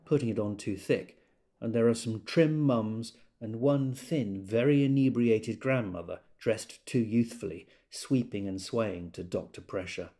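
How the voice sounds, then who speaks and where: A man's voice: fairly low pitch, measured pace, warm tone. An actor playing a wry gay man who tells of a party in an observant, dramatised literary monologue.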